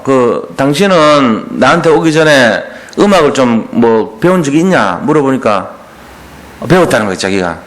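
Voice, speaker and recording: A man preaching a sermon, retelling scripture in plain everyday speech and asking the congregation questions. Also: medium pitch. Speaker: pastor.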